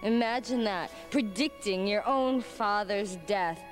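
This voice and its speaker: An actress playing a scornful, wounded young gypsy psychic in a dramatic video game cutscene. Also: female voice, mid-range voice, unhurried, lightly acted. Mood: scornful, bitter. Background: music.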